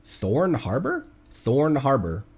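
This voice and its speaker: A man chatting casually on a live game stream, playful and quick to react excitedly. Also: medium pitch, breathy edge. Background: video game music.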